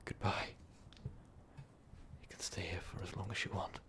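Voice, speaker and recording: A man playing a lovestruck, remorseful vampire overlord in an ASMR roleplay, speaking in a halting, breathy, confessional way. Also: little pitch movement, bright, forceful tone. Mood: shaken, apologetic. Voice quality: breathy, whispery, gravelly low voice. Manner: halting, slow, confessional, formal wording. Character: tormented, lovestruck male vampire overlord, remorseful ruthless conqueror. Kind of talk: ASMR roleplay, intimate monologue to listener.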